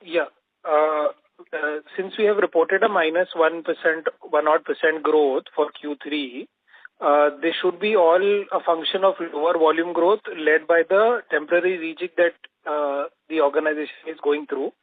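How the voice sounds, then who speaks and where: A man's voice: a little high, steady tone, moderate pace, no room sound. A man asking polite, formal questions as an analyst on an earnings call. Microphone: phone. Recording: narrow, dry phone line.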